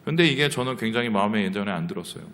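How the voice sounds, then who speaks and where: A man's voice: fairly low pitch, racing. A man preaching a sermon as pastor of his church, asking the congregation questions and acting out the lines of people in the story. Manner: lively, asks the congregation questions and acts out quotes. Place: church sanctuary. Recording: hall reverb from the church. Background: congregation reading aloud together.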